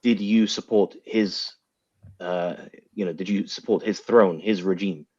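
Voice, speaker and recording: A man with a very low voice gives political analysis as a panel guest. He feels his way through phrases and puts rhetorical questions to make his point. The sound is somewhat muffled and lo-fi. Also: steady tone, a little slow, a little mellow, husky. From grew up in the West, of Iraqi background. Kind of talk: spoken political analysis in an online panel debate.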